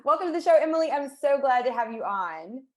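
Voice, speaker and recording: A woman's voice: high voice, very animated, fast talker. A woman hosting a podcast, speaking in an upbeat, enthusiastic casual tone. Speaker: podcast host. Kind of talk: casual interview chat.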